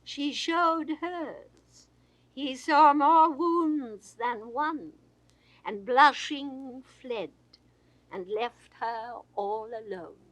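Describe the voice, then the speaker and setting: Older actress for classical verse: high, bright tone, theatrical swells and hushes, dry vintage studio. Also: female voice, extremely slow, no room sound, poor audio. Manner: grand theatrical delivery with sweeping swells and hushed falls. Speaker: poetry reader. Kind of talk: classical dramatic verse reading. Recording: dry 1960s studio recording.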